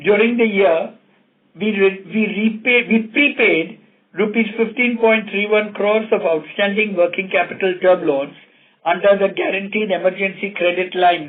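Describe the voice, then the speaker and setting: A man with an Indian accent formally reading out financial results as a company executive, in a measured way, over a telephone conference call. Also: high voice. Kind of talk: scripted financial results presentation. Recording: tinny narrow phone line.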